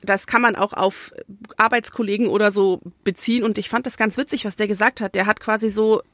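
A woman in relaxed podcast conversation tells stories with animated energy and acts out the lines she quotes. Her voice sits in a middle register and sounds dry and close to the mic. She talks things through with plenty of small fillers. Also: medium pitch, fairly quick, no echo. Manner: lively storytelling, acts out quotes. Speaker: podcast co-host. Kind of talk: casual chat.

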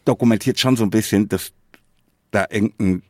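A man's voice: on the low side, brisk, dry recording, studio quality. A man chatting casually as a podcast co-host, laid-back and colloquial, often tagging phrases with a questioning filler.

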